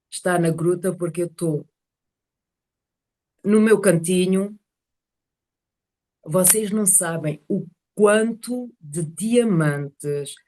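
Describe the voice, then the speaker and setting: Woman telling personal stories, halting delivery. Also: fairly low pitch. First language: Portuguese is one of several languages spoken. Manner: animated, halting, searching for words. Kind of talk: casual personal storytelling to a group.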